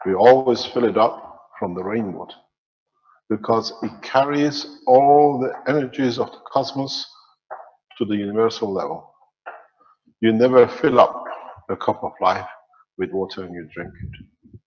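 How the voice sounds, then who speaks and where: A man teaching in a slow, measured way, his phrases trailing off at the ends. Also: lowish voice, darkish tone, in a large hall, dull audio. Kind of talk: spiritual teaching lecture.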